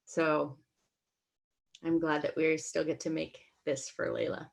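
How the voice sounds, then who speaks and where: A woman with a slightly low voice answers interview questions as a performer. Her talk is informal and conversational, with a wry edge. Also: flat delivery, unhurried, vocal fry. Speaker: theater performer and costumer. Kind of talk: casual panel interview.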